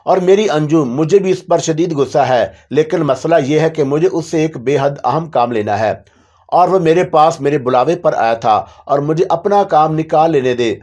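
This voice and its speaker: A man's voice: fairly high pitch, a little mellow, lightly acted. A man voicing a stern, bossy old sorceress who scolds and commands. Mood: soothing.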